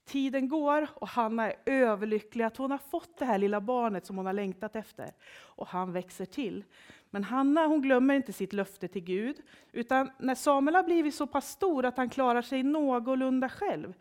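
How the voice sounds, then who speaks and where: A woman preacher in a church telling a Bible story to all ages with lively expression. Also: high-pitched.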